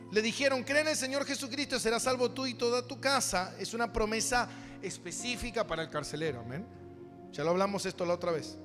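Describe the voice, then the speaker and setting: Preaching as a pastor, a man teaches emphatically from the Bible, repeating phrases and throwing rhetorical questions at his listeners. His voice is very high-pitched and fairly bright. The recording has an echoey hall sound with music playing behind him.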